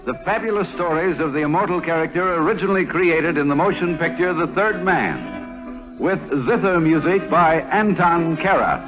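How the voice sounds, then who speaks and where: A man's voice: a little high, normal speed, rough recording. A man announcing a 1950s radio drama in a grand, declamatory way. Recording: old radio broadcast over theme music.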